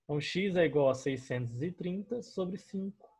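This young Brazilian instructor's voice sits a little high and sounds animated, darkish, and slightly rough as he moves at a moderate pace. Teaching math online on a digital board via screen recording, he explains each step patiently and keeps checking in with the class, speaking with a Brazilian Portuguese accent.

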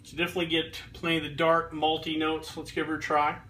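A man in his thirties talks through a beer tasting in his kitchen. His voice is fairly high and bright, and he rambles with frequent ums and restarts. The camera mic sits a few feet off, so he sounds a little distant. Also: monotone, quick pace, slight background noise. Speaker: beer reviewer and home brewer. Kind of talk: casual beer review vlog. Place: home kitchen, indoors. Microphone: fixed camera a few feet away.

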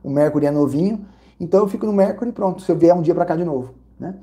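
A Brazilian man vlogging casually, telling an animated, repetitive story with lots of exclamations. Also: a little high, very fast. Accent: Brazilian Portuguese. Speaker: vlogger reviewing credit card perks and hotels.

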